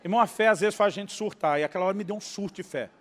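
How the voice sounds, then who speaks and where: A Brazilian male pastor preaching with a fairly high voice. He tells his story with animated, acted-out dialogue. The sound carries a long reverb, as in a large hall. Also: racing. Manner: animated storyteller, acting out dialogue, laughing at punchlines. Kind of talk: sermon storytelling.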